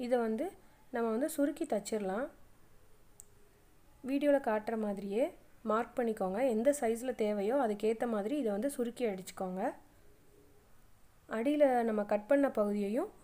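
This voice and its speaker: A woman's voice: on the high side, normal speed, long pauses, dark tone. A middle-aged woman, narrating a step-by-step sewing tutorial with plain, patient instructions. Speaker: craft channel host.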